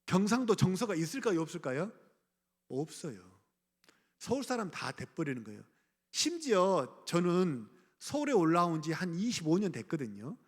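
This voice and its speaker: A man's voice: high-pitched, very animated, normal speed, husky. A middle-aged man from Gwangju preaching a sermon as pastor, speaking conversationally, asking the congregation questions and chuckling. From Gwangju, South Korea. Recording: church hall reverb.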